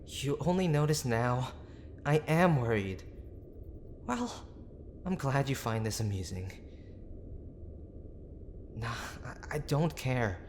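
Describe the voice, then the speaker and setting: Man acting a worried young boyfriend, slow and halting. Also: mid-range voice, lively intonation, darkish tone, slight background noise. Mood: pleading, desperate. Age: young adult. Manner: halting, pleading, with sighs and breathy asides. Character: gruff, tender young boyfriend, a medical student, desperately worried. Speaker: voice actor in audio roleplay. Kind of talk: intimate dramatic boyfriend roleplay.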